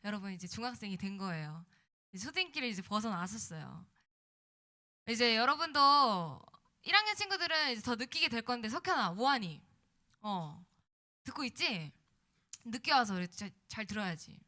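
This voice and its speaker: Female youth preacher, very lively high voice, conversational sermon delivery, diction a bit thick from post-wisdom-tooth swelling. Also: moderate pace. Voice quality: slightly slurred diction from swollen mouth after wisdom teeth. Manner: conversational, checking in with young listeners. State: mouth swollen after wisdom tooth removal. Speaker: youth pastor preaching to middle schoolers.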